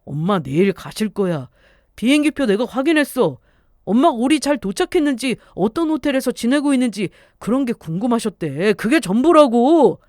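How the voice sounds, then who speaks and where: A woman's voice: on the high side, sing-song, normal speed, darkish tone, no echo, clean studio sound, pitched above the performer's own voice. A woman voicing a defensive young husband, a mama's boy, in a story radio dialogue. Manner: pleading, defensive.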